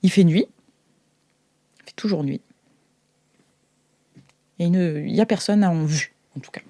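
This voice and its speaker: Lower-voiced French woman running a game. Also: warm tone, no room sound. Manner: informal, descriptive, halting as she searches for words. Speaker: game master. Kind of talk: improvised narration of a sci-fi tabletop role-playing game.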